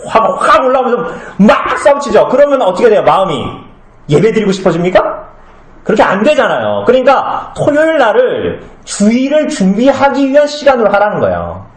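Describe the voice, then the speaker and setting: Male pastor, conversational sermon, animated delivery with acted-out asides, roomy church sound. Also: high-pitched, fairly quick. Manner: conversational, asks the congregation many questions; acts out short comic scenes with changed voices. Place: small church hall. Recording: echoey room.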